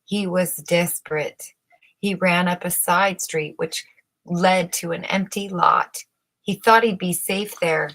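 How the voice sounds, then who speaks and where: A woman narrates a children's story at a very unhurried pace. Her voice sits a little low, and she shapes her phrases with dramatic emphasis, as in a bedtime read-aloud. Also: a bit bright. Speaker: storybook reader.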